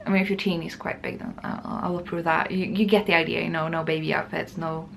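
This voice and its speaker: Creaky-voiced woman chatting casually. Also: on the low side, level tone, fast, slight background noise. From Norway. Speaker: knitting podcast host. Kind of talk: casual chat to camera.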